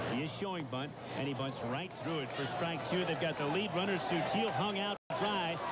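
The speech moves at a moderate pace through loud background noise. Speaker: baseball radio announcer. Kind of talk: sports commentary. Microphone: headset.

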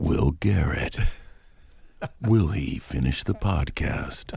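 A man's put-on character voice, very deep and low, dramatic in tone, at a very slow pace with very wide pitch swings. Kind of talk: announcer-like. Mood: relaxed, friendly.

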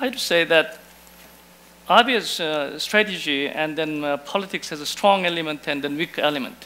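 A Korean accent at a moderate pace, with ordinary pitch variation. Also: man, fairly high pitch for a man. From South Korea. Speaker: professor. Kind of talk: panel discussion. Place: hall. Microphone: headset.

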